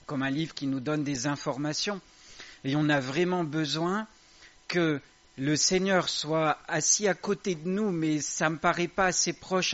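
A man's voice: on the high side, a bit bright, muffled recording. A man preaching an informal sermon to his congregation in a confiding, conversational way.

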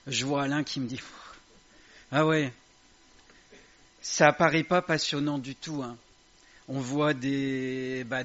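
A man's voice: medium pitch, muffled recording. A man preaching an informal sermon to his congregation in a confiding, conversational way.

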